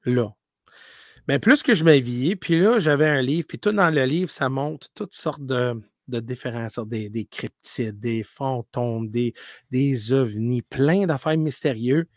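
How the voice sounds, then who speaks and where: A man who grew up speaking English, talking in as a paranormal streamer in a casual interview, telling animated stories full of restarts and English words. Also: mid-range voice, a little slow, dry recording, clean studio sound. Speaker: paranormal live streamer, guest.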